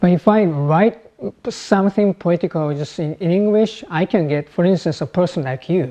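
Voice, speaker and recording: With a Japanese accent, a woman speaks in a fairly low pitch at a moderate pace with ordinary pitch variation. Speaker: poet. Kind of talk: interview. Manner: halting, many restarts.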